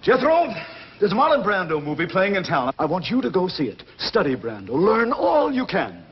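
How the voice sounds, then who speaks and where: An actor playing a smooth, scheming fake Hollywood actor who talks in a glib, theatrical, hammy way. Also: male voice, high-pitched, wildly swooping pitch, normal speed, heavily acted. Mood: sly. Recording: dull 1960s TV audio with laugh track and hiss.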